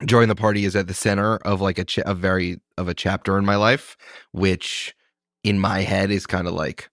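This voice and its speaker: A man's voice: deep voice, flat delivery, moderate pace, fairly bright tone, dry recording, clean studio sound. A man in his thirties, a podcast host and game master, talking in a reflective, thinking-aloud way in casual chat. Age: 30s.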